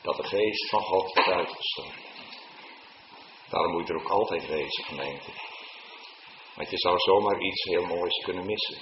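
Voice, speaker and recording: A man preaching a sermon to his congregation in church, now and then rising into loud, high, drawn-out calls. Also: roomy sound, highs cut off, noisy background. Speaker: pastor.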